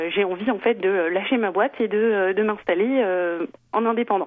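This woman has a normal speaking voice, medium in pitch with ordinary pitch variation, and she speaks at a moderate pace. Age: 40s. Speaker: caller. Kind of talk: call-in question.

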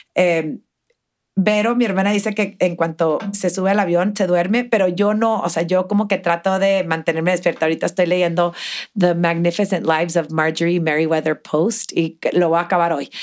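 At a moderate pace, a woman with an ordinary speaking voice talks at a fairly low pitch, with fairly even intonation and very even loudness. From Mexico–US border, Ciudad Juárez / El Paso. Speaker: fashion magazine editor. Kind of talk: casual interview.

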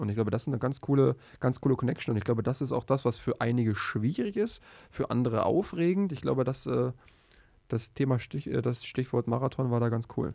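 Here a man speaks at a fairly quick pace with a medium pitch. His tone is dark and mellow, with ordinary pitch variation. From Brandenburg, Germany. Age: young. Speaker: real estate agent. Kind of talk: casual chat. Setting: studio.

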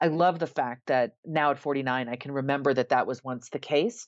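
Against a quiet background, a woman with a very deep, low pitch talks at a very fast pace with fairly even intonation. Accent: American. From United States. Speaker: author. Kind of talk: interview.

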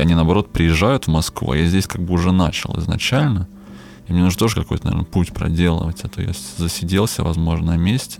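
A man with a very deep, low pitch talks at a very fast pace with ordinary pitch variation, and there is noticeable background noise. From Moscow, Russia. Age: 20s. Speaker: courier and fitness trainer. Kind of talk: interview storytelling. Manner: casual, with many filler words.

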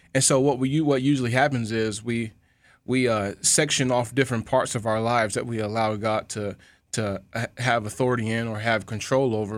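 A man talks in an ordinary speaking voice at a medium pitch, at a fairly quick pace. His intonation stays fairly even, and the recording is very clean with a silent background. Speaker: youth pastor and fill-in radio host. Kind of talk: sermon-style Bible talk on radio. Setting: radio studio.

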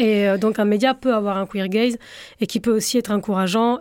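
A woman talks at a moderate pace with a medium pitch. Her tone is dark and mellow, and her intonation stays flat and monotone. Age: 20s. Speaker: journalist and media co-founder. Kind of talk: interview.

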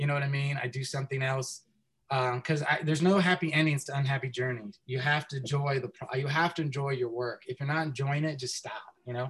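The speaker's tone is animated and the pace is very fast. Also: man, fairly high pitch for a man. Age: 30s. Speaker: screenwriter and filmmaker. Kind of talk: casual interview chat. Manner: fast talker, animated.

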